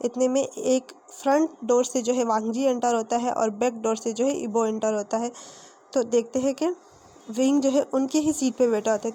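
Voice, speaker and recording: A woman narrates a fan fiction story in a relaxed, conversational style, pausing for fillers and correcting her own slips. Her voice is a little high but soft and mellow, with slight background noise.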